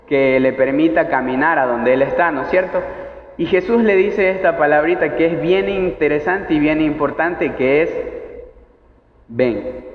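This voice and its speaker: Man preaching in an echoey hall. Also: on the high side. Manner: conversational, asks the congregation questions. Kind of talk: sermon. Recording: echoey hall, tinny phone-like sound.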